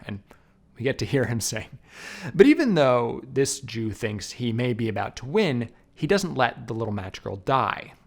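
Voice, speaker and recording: A man narrating a scripted film review in an emphatic, wry way with casual asides. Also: mid-range voice. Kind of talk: scripted video essay narration.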